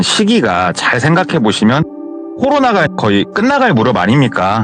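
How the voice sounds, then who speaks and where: With music in the background, a man talks at a moderate pace with very wide pitch swings. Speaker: storyteller guest, car salesman. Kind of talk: storytelling in casual chat. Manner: polite, formal.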